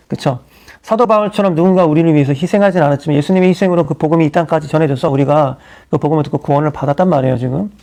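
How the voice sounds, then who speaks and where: A middle-aged pastor from South Korea preaching in an animated, conversational way, full of asides and acted-out quotes. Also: male voice, on the high side. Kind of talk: sermon.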